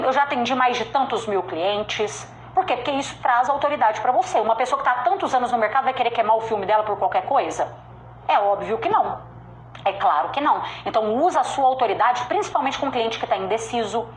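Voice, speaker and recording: A woman's voice: on the high side, expressive, a little fast, slight background noise. A woman with a strong regional Brazilian accent giving a motivational sales talk, emphatic and direct, repeating her key points. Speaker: sales speaker. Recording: echoey room with faint ambience.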